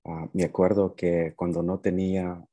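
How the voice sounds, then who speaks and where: A young man from Nicaragua, raised partly in the United States, talking casually as a podcast guest and often pausing to find his words. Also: sits low, flat delivery, dark tone. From Nicaragua, moved to the United States at seven. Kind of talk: casual conversational storytelling.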